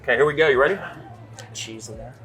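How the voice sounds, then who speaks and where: A man's voice: mid-range voice, quick pace, fairly bright tone, soft background music. A man hosting a food show in a diner, chatting enthusiastically and joking while he eats. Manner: enthusiastic, jokey, talks while eating. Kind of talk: casual food tasting chat.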